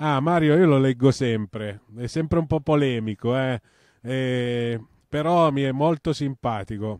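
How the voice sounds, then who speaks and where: Fairly slow pace and ordinary pitch variation from a man at medium pitch. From northern Italy (Turin, Liguria), Apulian family. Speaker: livestream host. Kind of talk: live stream chat reading viewer comments. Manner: casual, hesitant with fillers.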